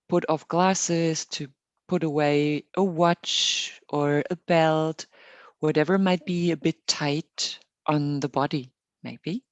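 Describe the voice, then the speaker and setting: A woman hosting an online meditation session, welcoming people in a gentle, unhurried and reassuring way. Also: sits low, no room sound, lo-fi sound. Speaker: meditation host. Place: online group call.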